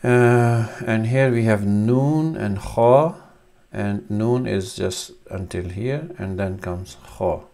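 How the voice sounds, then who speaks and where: A man in his thirties whose first language is Urdu, teaching a reading lesson with slow, halting explanations and many fillers. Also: on the low side, vocal fry, dark tone. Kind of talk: screen-recorded reading lesson.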